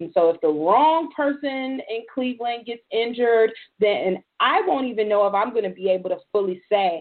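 A normal speaking voice moves at a moderate pace with lively intonation. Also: woman. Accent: American. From Detroit, US. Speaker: podcast host interviewer. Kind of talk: casual interview.

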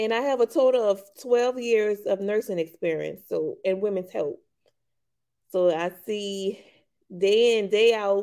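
In a New Orleans accent, a woman with a fairly high pitch and a dark, mellow tone speaks at a fairly slow pace with ordinary pitch variation. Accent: Southern US, New Orleans. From New Orleans, US South. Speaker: nurse practitioner and women's health business owner. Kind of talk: casual interview chat.

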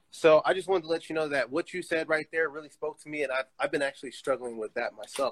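In a dry, close sound with no echo, a normal speaking voice carries ordinary pitch variation. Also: man. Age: 30s. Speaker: caller. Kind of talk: casual chat. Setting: video call.

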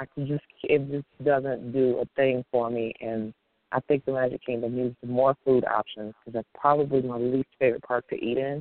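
Monotone, flat delivery at a moderate pace in an American accent. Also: man. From US South. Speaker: podcast co-host. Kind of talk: casual chat.

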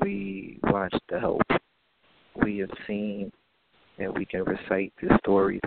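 A man with an American accent, fairly low-pitched, at a fairly slow pace and in a monotone, flat intonation. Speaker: radio co-host. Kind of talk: casual chat.

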